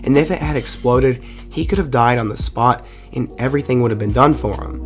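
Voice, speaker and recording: Man narrating a college football video. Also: mid-range voice. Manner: upbeat, conversational fan narration. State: recovering from the flu. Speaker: YouTube sports video host.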